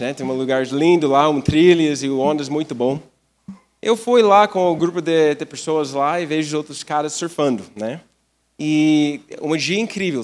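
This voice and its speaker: Man, American pastor, broken learner's Portuguese, slightly high voice, church hall reverb. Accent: American English. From United States. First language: English. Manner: halting learner's Portuguese, jokey asides. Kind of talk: sermon with live interpreter.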